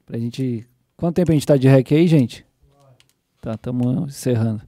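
A man hosts a casual faith podcast, telling a story with energy and acting out quotes in an animated way. His voice is medium in pitch and moves at a moderate pace, recorded in clean studio quality with no room sound.

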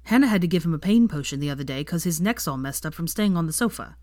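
A tired, blunt young man who talks in a low, weary mutter, as a woman reading the story puts him on. His voice sits below the narration. The sound is close and dry. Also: lively intonation, quick pace, a little mellow, dry recording.

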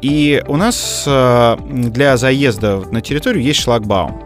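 A man's voice: medium pitch, takes it slowly, soft background music. Man telling a story with many fillers. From Moscow region. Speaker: podcast co-host. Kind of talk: casual chat.

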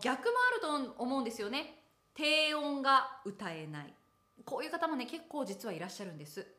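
A woman teaching singing in an online lesson, explaining things in a lively way and breaking into short sung examples. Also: high-pitched, roomy sound.

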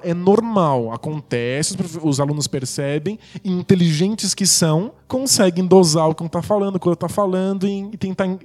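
Husky man, reflective and explanatory. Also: high voice, a little mellow. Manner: reflective, explanatory, with frequent restarts. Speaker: teacher and co-host. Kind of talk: casual discussion.

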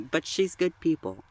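A woman playing an anxious, soft-hearted young driver in an audio drama, with a hesitant, stammering delivery. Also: low voice, slight background noise, full character voice. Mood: teasing.

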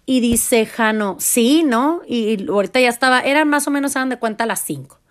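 A Mexican woman in her forties, a mother telling family stories to her viewers in a loud, expressive, casual way. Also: a little high, fairly quick.

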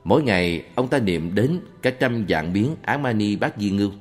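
A man reading a monk's answers aloud in a calm, measured Buddhist question-and-answer recording. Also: fairly low pitch. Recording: long reverb with faint background music.

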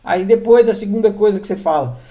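A man's voice: high voice, fast, mellow. A man giving a conversational spiritual teaching, explaining with everyday examples and acting out quoted lines. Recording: muffled lo-fi recording.

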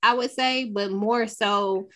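A woman co-hosting a podcast in casual chat, playful and quick to interject, slipping into vernacular. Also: medium pitch, fairly even intonation, pushed and bright. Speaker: podcast co-host.

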